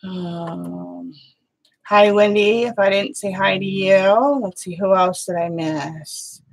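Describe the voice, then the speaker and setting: A middle-aged woman hosting a live watercolor painting stream, chatting with viewers between steps in a loud, halting way full of fillers. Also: mid-range voice, steady tone, creaky, rough recording. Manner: loud voice by her own account, halting with fillers and restarts. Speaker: watercolor livestream host.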